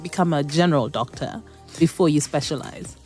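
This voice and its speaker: A woman hosting an interview podcast, asking questions with lively, encouraging interjections. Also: deep voice, moderate pace, faint music behind. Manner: lively, warm encouraging interjections, laughs easily. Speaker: podcast host.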